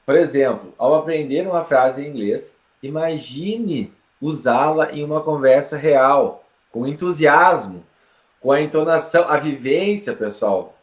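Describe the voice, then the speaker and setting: A man with a Brazilian Portuguese accent teaching an online lesson in a lively, explanatory way, often checking in with the learner. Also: fairly high pitch, unhurried, reverberant. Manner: lively, explanatory, with frequent tag questions. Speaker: English teacher.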